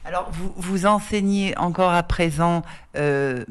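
A woman's voice: lowish voice, a little slow, clean tone. A woman interviewing a guest, asking long questions with many hesitations. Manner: hesitant, searching questions with fillers.

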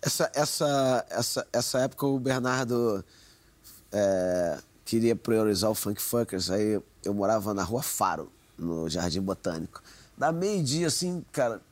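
A man's voice: lowish voice, expressive, a little slow. Wry carioca man spinning band stories. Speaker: band member, guest. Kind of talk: casual storytelling in an interview.

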